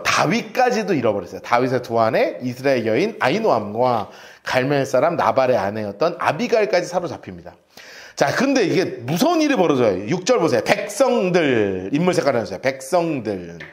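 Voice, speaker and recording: A middle-aged male pastor preaching an expository Bible-study sermon, telling his story in an animated way, acting out shouted cries and telling listeners to mark verses. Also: medium pitch, a little fast. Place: church sanctuary.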